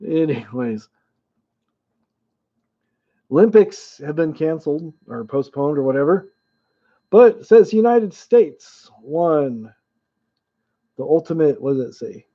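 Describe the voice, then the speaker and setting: A man's voice: a little high, lo-fi sound. A man casually hosting a live-chat trivia game, chuckling often and reading viewers' names aloud.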